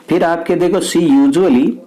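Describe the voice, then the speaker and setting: A man's voice: on the high side, warm tone, rough recording. A man teaching students through an exam paper step by step, asking questions and answering them himself. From Rajasthan, India. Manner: explains step by step, asks and answers his own questions. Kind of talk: exam paper walkthrough lesson.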